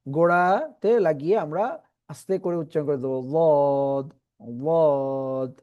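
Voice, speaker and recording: A man teaching Quran reading in an online class, patiently explaining and slowly repeating letter sounds for his students. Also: on the high side, animated, dull audio.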